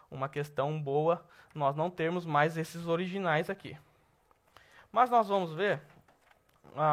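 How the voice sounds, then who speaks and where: A Brazilian man teaching a Bible class at church, lively and asking the class questions. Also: a little high. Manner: lively, asks the class questions, says "tá bom?" often.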